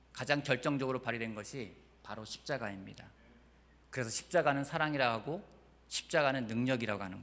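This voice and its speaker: A man preaching a Sunday sermon with lively storytelling, moving between quiet and emphatic delivery. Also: on the high side. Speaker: pastor. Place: church sanctuary. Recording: church hall reverb.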